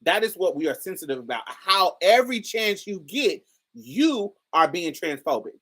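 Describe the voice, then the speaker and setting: A woman with a particularly deep voice, hosting a casual commentary and talking straight to her viewers in an emphatic, chatty way. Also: sing-song, moderate pace, breathy edge. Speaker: host.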